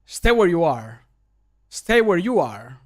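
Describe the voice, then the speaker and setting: A stern male guard played by a man barks short orders at a criminal. His delivery is firm and imperative, clipped, in a voice a little on the high side, as a game voice line. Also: very animated, slow. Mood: stern, commanding.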